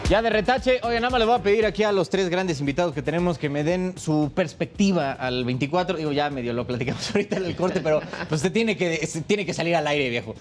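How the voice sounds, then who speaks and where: A man's voice: on the high side, animated, fast talker, few pauses, soft background music. A man from Mexico hosting a political panel, moderating in a casual, colloquial way. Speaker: panel show host.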